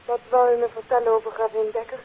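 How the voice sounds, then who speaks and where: A woman's voice: on the high side, level tone, quick pace, slightly rough. An actress playing an anxious, evasive young woman in a 1950s radio drama, speaking hesitantly. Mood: alarmed, questioning. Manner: hesitant, agitated. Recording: muffled, hissy 1950s radio recording.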